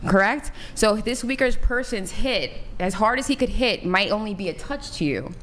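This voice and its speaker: A woman's voice: mid-range voice, expressive, normal speed, a bit bright. A woman in her thirties holding her ground in a panel debate. She sounds firm and dismissive, and she leans on rhetorical questions. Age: 30s. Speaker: panel guest. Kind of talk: heated debate.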